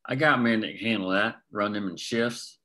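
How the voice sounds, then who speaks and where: A man's voice: lowish voice, moderate pace, pushed and bright. A man reading the part of a crude, confident, hard-bitten man at a table read. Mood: grim.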